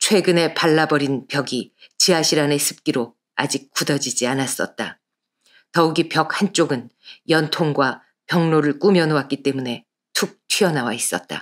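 A woman's very deep, low voice moves with ordinary pitch variation. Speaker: voice actor audiobook narrator. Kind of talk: ghost story telling, dramatic first-person horror narration of a murderer hiding a corpse; audiobook reading aloud with short commentary. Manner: hushed, slow and eerie, building suspense with a dark confessional tone.

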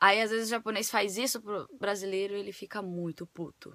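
A bright, sharp tone at a moderate pace, in a dry sound with no echo and a quiet background. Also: woman. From Brazil. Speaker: vlogger. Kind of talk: casual vlog monologue. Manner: animated. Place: home room. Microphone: phone near.

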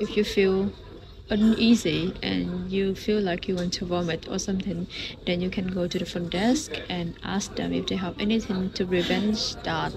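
Noticeable background noise sits behind a voice with fairly even intonation. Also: woman. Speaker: travel vlogger. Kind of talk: casual vlog chat. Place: boat. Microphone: phone near.

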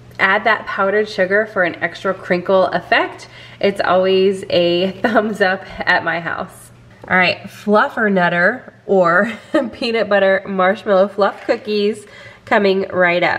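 The pace is fairly slow as this woman speaks. She keeps her intonation fairly even. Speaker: home baker vlogger. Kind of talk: tutorial. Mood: cheerful, laughs often. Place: kitchen.

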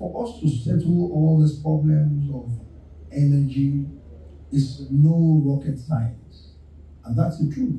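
Pausing long and often, a man speaks at a very slow pace in a fairly high voice with ordinary pitch variation. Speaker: ceremony speaker. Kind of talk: exhortative speech. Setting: stage with audience. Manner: animated.

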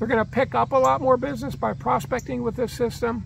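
A man speaks with very wide swings in pitch, recorded dry with no echo over light background noise. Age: 60s. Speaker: retired realtor and marketing promoter. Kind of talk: sales pitch. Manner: enthusiastic. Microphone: webcam.

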